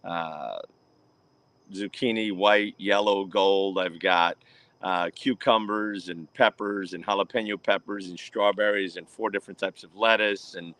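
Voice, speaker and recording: Guy from jersey, born in portugal, chatting on a video call from his garden, low voice, laughs a lot. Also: fairly even intonation, measured pace, a bit bright. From grew up in New Jersey, born in Portugal. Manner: talkative, laughs easily. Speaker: guest. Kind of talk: casual video chat. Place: outdoors in his home garden.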